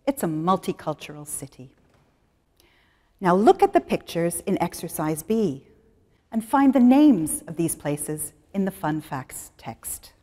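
A middle-aged woman with a voice on the low side presents an English lesson from a studio, standing before a plain wall. She speaks slowly, clearly and expressively with a lively rise and fall, guiding students through exercises while a long reverb trails her words.

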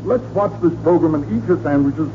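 An exasperated middle-aged American father played by a man, blustering in a high, wildly swinging voice. It is 1940s radio comedy, heard through clear background noise. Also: expressive, fairly quick, close to an everyday voice. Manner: blustering, emphatic. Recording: muffled, noisy 1940s radio recording.

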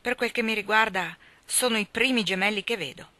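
A woman's voice: medium pitch, a little fast, sharp tone, no room sound, pitched above the performer's own voice, lightly acted. A woman voicing a good-hearted farmer father in an audiobook, speaking in a hearty, exclamatory way. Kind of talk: audiobook character voice.

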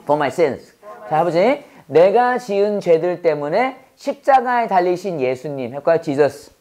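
Hoarse teacher drilling call-and-response. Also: medium pitch, big pitch swings, mellow. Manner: brisk, repeats prompts and has the class echo them. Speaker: English teacher.

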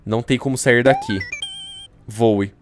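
A man's voice: medium pitch, huge pitch swings, a little slow, faint music behind. A young Brazilian man giving casual, slangy, joking reaction commentary into a close desk microphone. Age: young adult. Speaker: YouTuber reacting to horror videos. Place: indoor streaming room. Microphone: close desk microphone on arm.

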